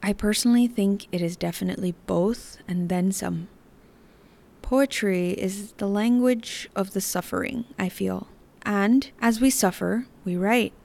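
A woman's voice: mid-range voice, measured pace, gravelly, darkish tone. A woman hosting a podcast, reading scripted commentary in an earnest, reflective way. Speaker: podcast host.

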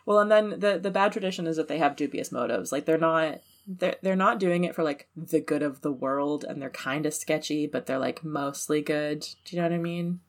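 A woman's voice: low-pitched, brisk. A woman player chatting casually at a tabletop game, rambling a little and laughing often.

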